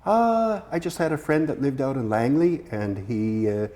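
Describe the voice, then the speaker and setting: A man's voice: medium pitch, lively intonation, moderate pace, warm tone. A man, a volunteer camera operator, answering interview questions in a studio, plain and modest with many hesitant fillers. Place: community TV studio.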